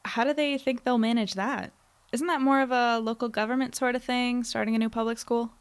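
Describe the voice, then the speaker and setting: A woman's voice: on the high side, fairly even intonation, fairly quick, clean tone, dry recording, natural voice. A woman in her twenties playing an anxious, wry young reporter rambling into an audio diary in a casual, self-deprecating way. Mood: polite, attentive. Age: 20s. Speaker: narrator and lead character. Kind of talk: audio drama diary monologue, casual and conversational.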